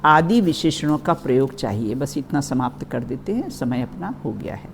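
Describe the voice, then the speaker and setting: A woman's voice: a bass voice, big pitch swings, moderate pace, noisy background. A woman teaching a religious philosophy class in a study hall, checking in often with her listeners.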